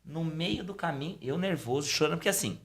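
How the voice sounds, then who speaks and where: A middle-aged man, a podcast guest telling a personal story casually and acting out the dialogue. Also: fairly quick. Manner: animated storytelling, acting out dialogue with pitch swings. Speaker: podcast guest, Umbanda priest.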